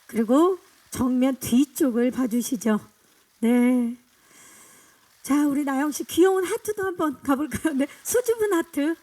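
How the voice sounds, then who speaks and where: A woman's voice: high voice, unhurried, darkish tone. A woman hosting a press screening, cheerfully guiding guests through photo poses and introductions. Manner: upbeat, directing photo poses. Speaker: event host. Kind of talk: press event emcee.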